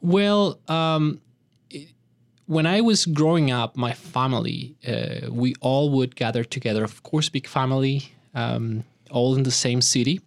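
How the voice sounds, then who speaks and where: A man's voice: mid-range voice, steady tone, vocal fry, no room sound. Colombian-born man, middle-aged, reflective interview guest, dry close mic. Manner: thoughtful, halting with many fillers. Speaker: guest, orchestra director. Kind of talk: radio interview.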